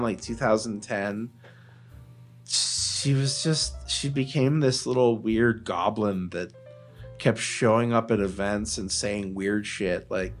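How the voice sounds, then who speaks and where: A man podcast host chatting casually in a rambling, joking way. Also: on the low side. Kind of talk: casual chat.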